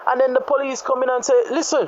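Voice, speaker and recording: A woman's voice: high voice, completely flat delivery, quick pace. A woman with a Jamaican accent talking casually and frankly in Jamaican English, dropping in patois phrases. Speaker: podcast host. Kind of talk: casual conversation. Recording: dull lo-fi sound with background noise.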